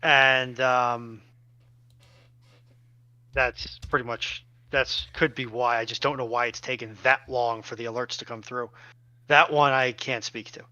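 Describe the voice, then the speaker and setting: Bright-voiced man on dry, muffled audio. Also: medium pitch, steady tone, unhurried, no echo. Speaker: livestream panellist and tech helper. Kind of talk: casual chat.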